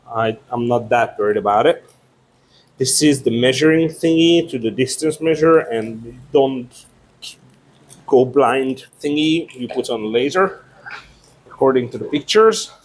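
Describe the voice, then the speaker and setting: A man's voice: mid-range voice, a little slow, a little hiss or hum. A man chatting casually and unscripted as he unboxes a product, with playful, sweary asides.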